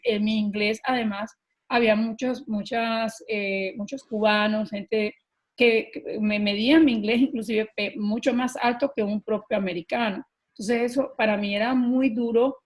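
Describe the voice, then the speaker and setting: A middle-aged Colombian woman with a slightly high voice tells her personal story as a guest on an interview podcast. She is earnest and animated, often pausing on fillers like "eh" and "este" before continuing.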